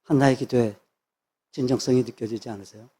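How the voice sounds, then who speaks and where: A man's voice: mid-range voice, fairly even intonation, a little fast, warm tone, husky. A man, a pastor, preaching a sermon with emphatic repetition of phrases. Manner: emphatic, repeats phrases for stress.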